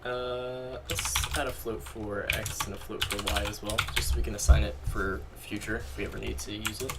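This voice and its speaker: In this screen-recorded coding walkthrough, the tutorial host speaks at normal speed in a lowish voice with little pitch movement, slightly losing his voice as he casually thinks aloud and corrects himself while typing. Heard through a distant mic, keyboard clatter and mouse clicks make it very noisy.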